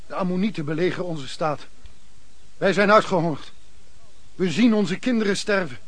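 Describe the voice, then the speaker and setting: A high-voiced, desperate envoy. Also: male voice, fairly bright tone, no echo. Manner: solemn, pleading, declamatory. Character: desperate, solemn envoy from a besieged starving town. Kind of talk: declamatory radio play acting.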